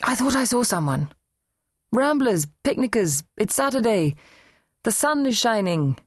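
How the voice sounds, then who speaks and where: A woman voicing a proud, sharp-tongued elderly mother who needles her grown daughter in an arch, dry way. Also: a little high, very animated, measured pace, no echo, pitched above the performer's own voice. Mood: insistent. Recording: dry, close studio read.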